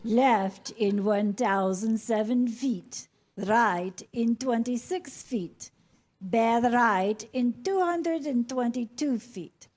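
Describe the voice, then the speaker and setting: Woman as a slow, bossy GPS voice. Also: a little high, darkish tone. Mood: bossy, unflappable. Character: bossy female car GPS with sassy flair. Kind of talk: staged screenplay reading, comedy.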